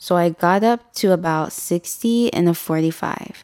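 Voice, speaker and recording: On a very clean recording with a silent background, a woman speaks at a fairly low pitch with a dark, mellow tone and ordinary pitch variation. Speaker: podcast host and college student. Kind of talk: reading aloud scary stories, ghost story telling. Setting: home recording, construction noise next door. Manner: casual, chatty; reading stories for the first time, with hesitations.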